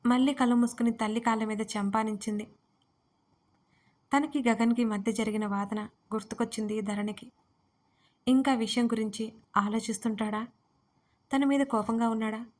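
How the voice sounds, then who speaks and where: A woman narrating a romance audio story in a steady, even storytelling manner. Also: on the high side.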